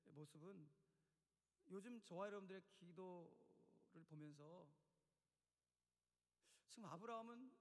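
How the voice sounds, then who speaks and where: A male pastor preaching a sermon in a church, telling the story in an animated way and acting out the quotes. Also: high-pitched, slow pace, pauses often. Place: church sanctuary. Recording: long church hall reverb.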